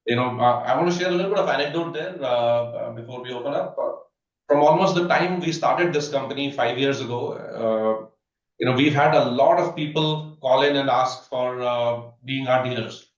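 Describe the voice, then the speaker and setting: A male executive walks through company results on an earnings call, stopping often on "uh" and starting sentences over. His voice sits at an ordinary middle pitch. He sounds distant and roomy, as if picked up from across a room, and the dull, muffled line takes the edge off his words. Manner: halting, many filler "uh"s and restarts. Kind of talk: earnings conference call commentary.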